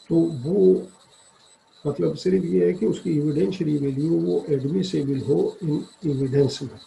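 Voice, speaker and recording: A man's voice: a little high, vocal fry, dark tone, a little hiss or hum, low-quality recording. A man with a South Asian accent lecturing on law, reading formal text and explaining it in plain terms.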